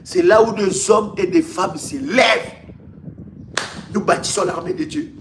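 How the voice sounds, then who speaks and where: Preaching on a live stream, this pastor and ministry leader from Congo speaks in a high voice at a measured pace. He hammers his points emphatically and repetitively, posing rhetorical questions and often stumbling into restarts. Faint noise sits in the background.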